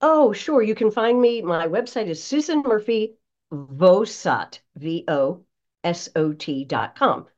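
A woman voice coach giving practical tips as an interview guest, speaking in an animated, expressive way. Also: fairly low pitch, highs cut off.

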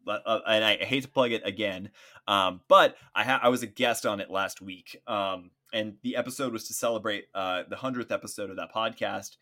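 A man in his forties co-hosting a podcast, chatting in a relaxed, easygoing way with many fillers. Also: lowish voice, fairly quick. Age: 40s. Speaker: podcast co-host. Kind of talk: casual podcast chat.

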